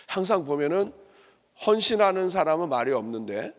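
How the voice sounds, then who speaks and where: A man preaches a sermon from a church pulpit in a slightly high voice that swings widely in pitch. He questions his listeners directly and acts out the grumbling of others. A long reverb trails each phrase through the sanctuary. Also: normal speed. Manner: lively, asks the congregation questions and acts out complaints. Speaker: pastor.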